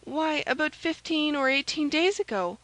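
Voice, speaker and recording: An anxious young servant girl from a storybook, acted by a woman narrator. Her voice sits high and pleads, frightened and devoted, with a dry, close sound. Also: expressive, normal speed, fairly bright tone, no echo. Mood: fearful. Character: frightened, lovestruck young French maid.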